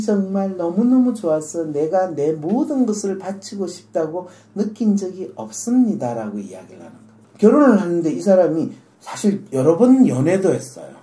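A man with a high pitch, very wide pitch swings and a fairly slow pace. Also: hardly any pauses, big swings in loudness. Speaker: psychology counseling show host. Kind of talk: casual counseling talk show discussion. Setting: studio. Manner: animated, teasing. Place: studio.

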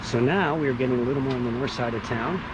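A man talks fast at a medium pitch with ordinary pitch variation. Background noise is clearly audible.

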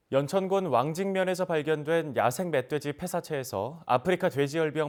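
A man with a fairly high pitch and a normal speaking voice, lively intonation, a fairly quick pace and hardly any pauses, on a very clean recording with a silent background. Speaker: news anchor. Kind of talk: news reading. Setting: studio. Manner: formal.

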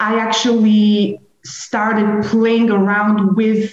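A woman speaks in a somewhat breathy voice. Audible room echo can be heard. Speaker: podcast guest. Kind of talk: interview answer. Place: home room. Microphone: video call.

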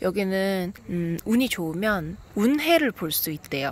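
A woman talks at a fairly slow pace. The sound is dry with no echo, over light background noise. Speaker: camping vlogger. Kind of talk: casual vlog chat. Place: open country. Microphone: phone near.

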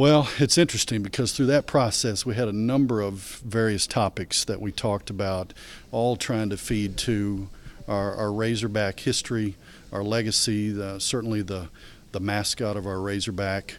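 A man with a plain, everyday voice speaks at a fairly low pitch and a moderate pace, with fairly even intonation. The sound is dry with no echo, over light background noise. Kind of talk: interview answer. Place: hall.

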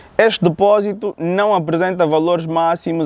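A man talks at a moderate pace against a quiet background. The sound is dry, with no echo. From Angola. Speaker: personal finance YouTuber. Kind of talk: YouTube explainer video. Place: garden.

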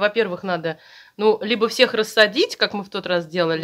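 Against a quiet background, a woman talks at a fairly quick pace. Her pitch varies in an ordinary way. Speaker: mukbang vlogger. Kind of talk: casual vlog chat. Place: kitchen. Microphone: lapel.

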